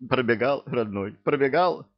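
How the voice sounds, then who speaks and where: A man's voice: medium pitch, expressive, a little slow, muffled recording, pitched above the performer's own voice, close to an everyday voice. A man voicing a weepy male devil who sniffles and talks through tears, in an audiobook reading. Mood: tearful. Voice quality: tearful, sniffling. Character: sobbing overjoyed male devil, emotional.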